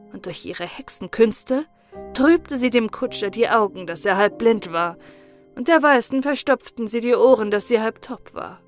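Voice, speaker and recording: A woman narrating a fairy-tale audiobook in a calm, measured storytelling voice. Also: on the high side.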